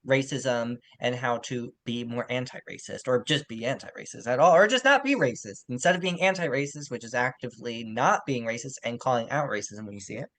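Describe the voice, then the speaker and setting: A man's voice: medium pitch, a little fast, hardly any pauses, fairly bright tone. A man co-hosting a podcast, discussing books casually in an informal, opinionated way with wry asides. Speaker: podcast co-host.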